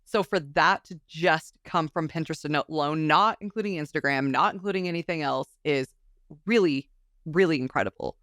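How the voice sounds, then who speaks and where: An enthusiastic podcast host with a mid-pitched voice responds warmly to a guest's story, sometimes stumbling over repeated words. The recording is dry and close. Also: moderate pace, dry recording. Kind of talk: interview chat.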